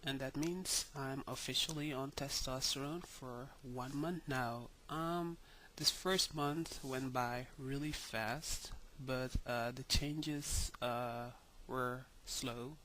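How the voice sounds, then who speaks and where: A young man talking slowly in a casual video diary, with many ums and pauses, tired. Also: medium pitch, fairly even intonation, sharp tone, poor audio. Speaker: vlogger.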